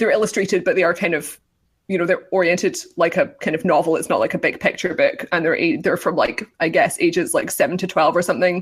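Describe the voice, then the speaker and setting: Someone with a Scottish accent talks at a very fast pace with very even loudness, in a very clean recording with a silent background. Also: woman. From Scotland. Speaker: journalist. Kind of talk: casual chat.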